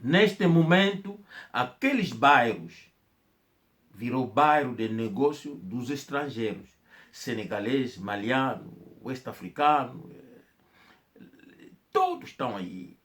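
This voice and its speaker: A man's voice: medium pitch, lively intonation, takes it slowly, long pauses, a bit bright. A man with an Angolan Portuguese accent giving an emphatic spoken commentary, with coughs and restarts. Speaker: channel host.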